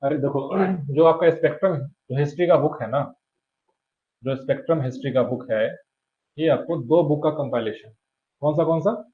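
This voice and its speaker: A man's voice: fairly high pitch, normal speed, narrow, tinny audio. A male teacher gives exam advice in a conversational coaching-class lecture and keeps checking in his students.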